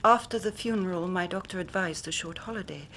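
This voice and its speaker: A woman's voice: lowish voice, brisk, a little hiss or hum. A woman playing an earnest young woman telling a tale. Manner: earnest, dramatic storytelling with hushed passages. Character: young woman recounting her sister's death. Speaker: client telling her story. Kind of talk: radio drama acting.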